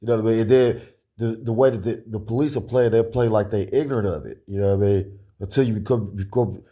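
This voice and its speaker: Rambling man with a dark, deep voice. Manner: rambling, many restarts and fillers, chuckles often. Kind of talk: casual conspiratorial chat.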